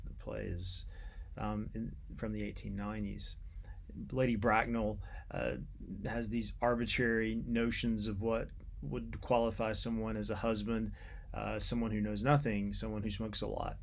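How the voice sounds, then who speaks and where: Creaky-voiced male literature lecturer. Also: fairly low pitch, little pitch movement, a little hiss or hum. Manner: halting and deliberate, repeats words for emphasis. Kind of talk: academic lecture, explanatory and unscripted.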